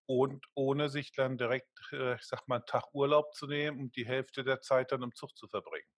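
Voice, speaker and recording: A man's voice: medium pitch, steady tone, normal speed, no room sound, studio quality. Chatty middle-aged man co-hosting a podcast. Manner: chatty, many fillers, invites the audience. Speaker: podcast co-host. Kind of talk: casual live podcast conversation. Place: home office. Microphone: desk microphone on a video call.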